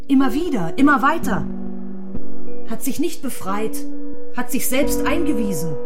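Anguished female narrator, bleak radio drama, very slow deliberate delivery, stark fragmented phrases, music behind. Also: on the high side. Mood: anguished, forceful. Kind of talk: literary radio play monologue, short fragmented lines.

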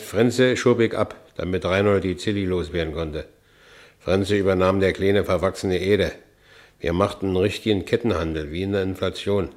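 Male actor as gullible Berlin ex-convict narrator for radio play; deepish voice, earthy Berlin accent, self-justifying. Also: lightly acted. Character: Franz Bieberkopf, gullible working-class Berlin ex-convict narrating his life.

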